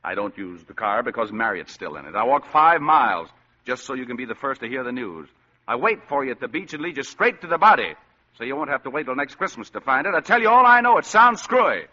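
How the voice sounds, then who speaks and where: An actor playing a world-weary, wisecracking private detective who also narrates, in a 1940s radio drama. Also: male voice, mid-range voice, big pitch swings, quick pace, sharp tone. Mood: sardonic. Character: wisecracking hard-boiled private eye, weary man. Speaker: narrator of the story. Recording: dull lo-fi old radio broadcast.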